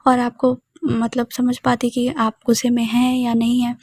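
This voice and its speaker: A jittery young student who stumbles over her words and rushes to smooth things over, as a woman narrator puts her on, in a fairly high, evenly flat voice. It is an intimate storybook reading in a dry space. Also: no room sound. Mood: placating. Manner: stammering, flustered. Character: nervous young female student, stammering.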